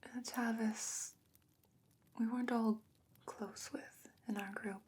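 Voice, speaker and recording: A woman as a breathy, whispering fantasy potion maker. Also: a little high, steady tone, slow, a little mellow, full character voice. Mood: guarded, reminiscing. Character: calm, knowing fantasy woman, secretive potion maker, wary. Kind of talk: soft-spoken ASMR fantasy roleplay.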